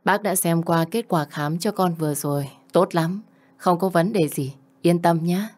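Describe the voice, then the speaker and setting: A woman voicing a kindly female doctor who talks in a gentle, reassuring way. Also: lowish voice, measured pace.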